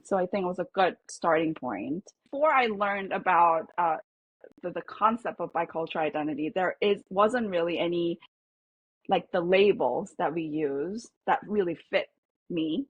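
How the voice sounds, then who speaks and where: A woman's voice: lowish voice, animated, normal speed, breathy edge, no room sound, muffled recording. A woman psychologist, originally from Korea with Korean as her first language, reflecting in a podcast interview with many fillers and restarts. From South Korea. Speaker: psychologist guest.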